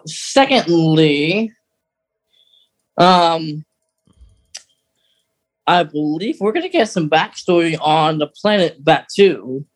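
A man with a voice on the high side co-hosts a podcast. He talks casually and informally, wandering a little as he shares news with his co-host. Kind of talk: casual podcast chat about fandom news.

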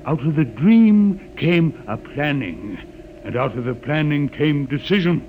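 Solemn, slow-chanting old keeper of lore, slightly high voice, tinny old radio sound with music. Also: male voice, big pitch swings, slight background noise. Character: old male keeper of the ship's legend, solemn. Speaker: John the Witness. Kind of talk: 1950s radio drama acting.

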